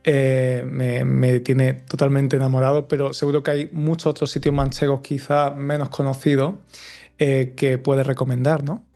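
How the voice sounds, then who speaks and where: An Andalusian-accented man hosting a Spanish-learning podcast. He sounds relaxed and mellow, with an even, level delivery. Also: medium pitch, normal speed, vocal fry. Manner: relaxed, with frequent fillers. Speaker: podcast host, Spanish teacher. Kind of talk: casual conversational interview.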